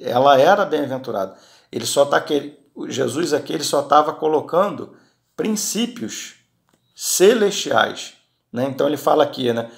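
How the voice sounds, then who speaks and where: Male preacher, mid pitch with a gravelly edge, conversational Bible teaching with frequent restarts. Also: fairly quick. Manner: frequent tag questions and restarts.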